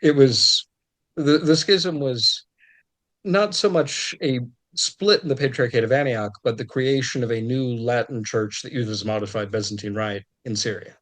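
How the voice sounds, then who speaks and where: A man talks as a historian guest in an unscripted conversation. His explanations are detailed and scholarly. He often restarts phrases, and his pitch jumps up when he stresses a point. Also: steady tone, moderate pace, a bit bright.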